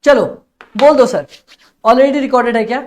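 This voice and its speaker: A young man teaching a live-streamed online exam class, energetic and coaxing, who keeps repeating phrases and reads chat comments aloud. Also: extremely high pitch, slow pace. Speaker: accountancy exam tutor.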